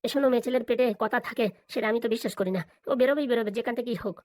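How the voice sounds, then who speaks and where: A man voicing a bossy, impatient middle-aged husband in a cartoon, gossipy and hurried. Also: extremely high pitch, no echo, voice pushed down.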